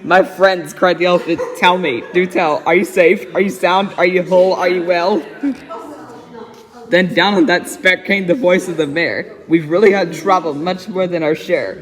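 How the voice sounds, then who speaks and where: High-voiced man reading a storybook, echoey. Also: steady tone, moderate pace, fairly bright tone. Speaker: storybook reader. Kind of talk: dramatic reading of a rhyming storybook. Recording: echoey, very reverberant room.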